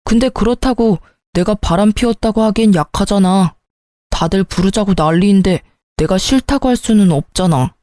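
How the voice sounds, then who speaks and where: A woman's voice: mid-range voice, normal speed, warm tone, dry recording, close to an everyday voice. Woman playing a petulant hungover husband. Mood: defensive. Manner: petulant, self-justifying. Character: irritated married man, hungover and defensive. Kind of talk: storybook drama reading.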